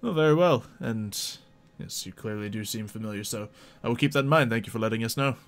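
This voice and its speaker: A man's voice: fairly low pitch, fast talker. A man chatting casually as he runs a tabletop roleplay game as game master.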